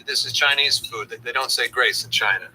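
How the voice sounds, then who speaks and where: A man's voice: mid-range voice, steady tone, brisk, natural voice. An actor playing a grumpy middle-aged man stuck babysitting kids, exasperated and blustering, stammering over his words in a sitcom. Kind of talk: sitcom acting. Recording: loud background noise in sitcom audio.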